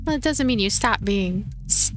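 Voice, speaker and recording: A woman's voice: medium pitch, animated, moderate pace. A woman hosting a let's play, giving casual commentary and thinking aloud as she goes. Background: game music.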